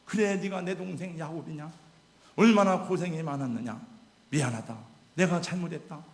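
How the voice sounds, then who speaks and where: A tearful, pleading older brother, acted out by a preacher mid-sermon. The voice sits high and gravelly. It echoes through a large hall. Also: male voice, moderate pace, close to an everyday voice. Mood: remorseful. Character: weeping older brother begging forgiveness.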